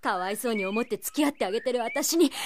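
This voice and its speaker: A woman playing a proud, sharp-tongued young lady with a haughty, exasperated way of talking in an anime-style radio drama. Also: a little high, quick pace, slight background noise, lightly acted. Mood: furious scolding. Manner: haughty, exasperated, feminine phrasing.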